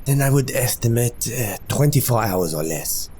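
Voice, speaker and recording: A man's voice: medium pitch, animated, normal speed, a little mellow, slight background noise, lightly acted. An actor playing an obedient scientist henchman in an audio drama, formal and deferential.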